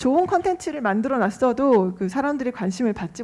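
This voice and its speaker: A woman talks at a fairly quick pace. Her tone is dark, mellow and somewhat breathy. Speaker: e-commerce team leader, keynote speaker. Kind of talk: conference keynote presentation. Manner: fast.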